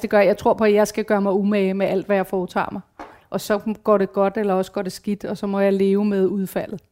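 A woman's voice: medium pitch, darkish tone. A woman in her forties chatting casually and candidly, telling personal stories with swearing and acted-out quotes. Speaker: guest. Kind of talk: casual chat, personal storytelling.

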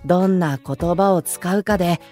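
A woman playing a gentle, earnest young male idol in a voice drama, explaining things kindly. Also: fairly low pitch, normal speed, close to an everyday voice. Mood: earnest, encouraging. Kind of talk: anime-style voice drama acting. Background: music.

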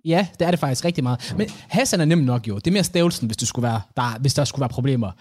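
A man's voice: mid-range voice, animated, darkish tone, no echo, studio quality. A young man opening and co-hosting a casual podcast, joking and mimicking people in anecdotes. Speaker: podcast co-host. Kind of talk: casual chat.

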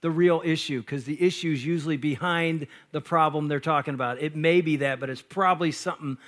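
Middle-aged man, pastor and speaker, bright and high, animated, playful storyteller. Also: fairly quick. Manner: animated, jokey, acts out both sides of quarrels. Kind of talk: lively storytelling talk to an audience.

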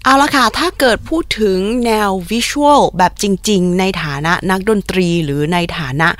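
Young woman, podcast host, playful chatty explainer, mid pitch, dry close-mic sound. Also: fairly bright tone, dry recording. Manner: chatty and playful, repeats polite particles, drops Japanese words.

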